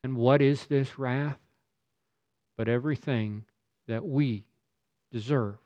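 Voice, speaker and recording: A man's voice: medium pitch, slow, mellow, no room sound. A man preaching a sermon in a dramatic, emphatic way, building his points through rhetorical questions. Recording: slightly dull lo-fi recording.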